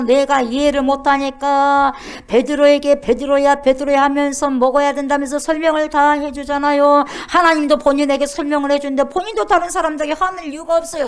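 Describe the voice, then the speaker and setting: A woman pastor delivers a sermon in a high voice, often turning to the congregation with questions. She acts out quoted lines with sudden loud exclamations.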